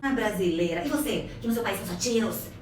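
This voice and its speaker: A cranky elderly woman with a European Portuguese accent scolds in a shrill, accusing voice, as a woman puts her on. It sounds pitched well up and loud, captured from afar in a very echoey room with background noise. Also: animated, fast talker, recorded from a distance, lightly acted. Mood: scolding.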